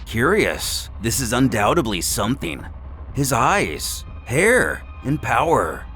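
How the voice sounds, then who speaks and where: A man's voice: medium pitch, very animated, takes it slowly, fairly bright tone. A man delivers dramatic scripted narration with an intense, theatrical edge. His mid-range voice rises and falls widely. Faint music plays behind him.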